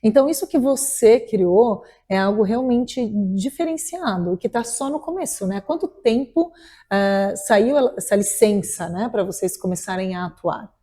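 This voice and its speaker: A woman's voice: mid-range voice, moderate pace, mellow. A woman hosting an interview, chatty and affirming. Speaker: host. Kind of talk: casual interview talk.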